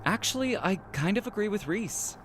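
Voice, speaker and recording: A man's voice: sits high, big pitch swings, moderate pace, fairly bright tone, a little hiss or hum. An actor playing a frank, fearful young man in an audio drama. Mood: apologetic, worried.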